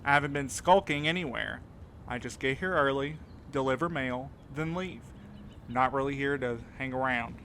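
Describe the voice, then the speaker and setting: A man's voice: medium pitch, normal speed, a bit bright, slight background noise, close to an everyday voice. A man playing a weary, guarded, grieving mail carrier in an audio drama. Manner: reluctant, guarded, terse. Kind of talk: naturalistic audio drama dialogue.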